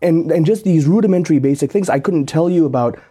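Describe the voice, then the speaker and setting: A man's voice: on the high side, fast talker, mellow, slightly rough. A man from Malaysia, a guest explaining things articulately with some repeated starts. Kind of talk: interview storytelling.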